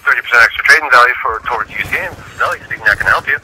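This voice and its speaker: A man's voice: mid-range voice, very fast. A man working as a game store clerk, handling a customer call in a polite, unruffled way over the phone. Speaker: video game store clerk taking calls. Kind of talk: phone customer service talk. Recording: noisy phone call, sharp sound, game gunfire. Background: video game gunfire.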